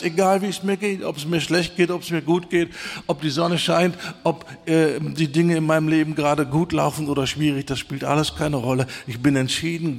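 A man's voice: fairly high pitch, big-room sound. A male pastor preaching a sermon emphatically, repeating key phrases and often interjecting exclamations of praise.

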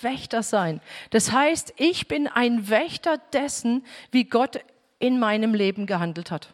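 Woman, bible teaching talk, earnest, direct address, fairly high voice, reverberant room. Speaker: house group teacher. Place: room with a home group.

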